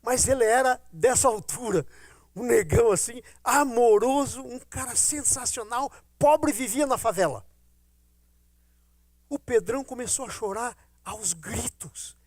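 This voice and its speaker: A middle-aged man, preaching a testimony sermon as a pastor and telling his story in a lively way, acting out his own quoted words. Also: very high-pitched, measured pace, no echo.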